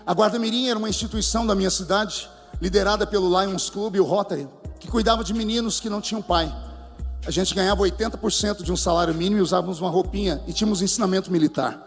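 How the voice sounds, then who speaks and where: A high-pitched male pastor tells his testimony to a congregation, acting out voices and singing short phrases. His voice rings with the long reverb of a church hall, with soft music underneath. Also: fast. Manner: storytelling, mimics voices, sings phrases. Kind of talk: sermon testimony with acted dialogue.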